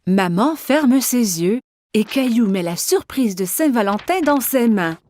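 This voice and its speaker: High-voiced woman narrating children's stories. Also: expressive, unhurried, darkish tone. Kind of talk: scripted children's story narration.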